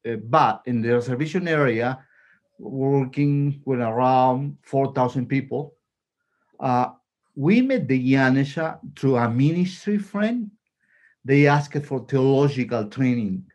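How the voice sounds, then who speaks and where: A man's voice: mid-range voice, animated, a little slow, a little mellow, muffled recording. Peruvian-accented man, short plain sentences. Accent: Peruvian Spanish. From Peru. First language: Spanish. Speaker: missionary guest. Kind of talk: interview answers.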